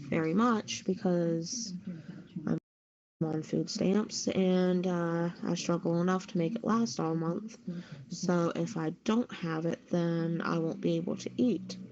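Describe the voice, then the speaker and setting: A woman's voice: on the low side, darkish tone. A woman from the United States reading news aloud as a co-host and adding personal comment. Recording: dull lo-fi, crowd noise behind.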